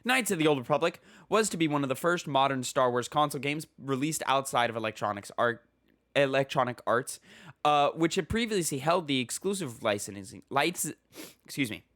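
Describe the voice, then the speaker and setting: A man's voice: medium pitch, expressive, brisk, fairly bright tone, dry recording. Podcast host, man, slightly stuffy nose, rambling filler-heavy delivery, dry close-miked sound. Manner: rambling, filler-heavy, reads articles aloud. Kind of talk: casual gaming podcast chat.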